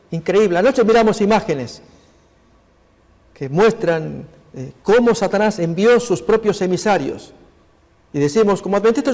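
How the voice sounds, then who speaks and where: A man's voice: high voice, darkish tone. A man pastor preaching a sermon over slides, earnestly addressing his congregation. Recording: long hall reverb.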